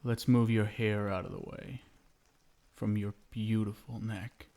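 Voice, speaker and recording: A man playing a possessive, sinister yet doting vampire husband in an intimate ASMR roleplay, coaxing with endearments and lingering pauses. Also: on the low side, little pitch movement, mellow. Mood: smug, savoring.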